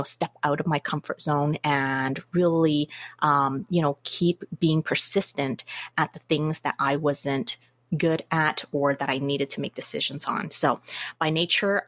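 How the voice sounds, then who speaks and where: A woman guest on a business podcast, answering interview questions in a measured, methodical way. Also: low voice, fairly bright tone, no room sound. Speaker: guest, business systems consultant.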